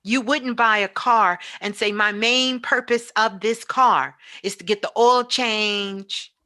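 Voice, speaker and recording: A woman's voice: on the high side, slow, pushed and bright. A woman giving a motivational spiritual talk in an emphatic, preaching way, repeating phrases for weight. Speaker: guest spiritual teacher.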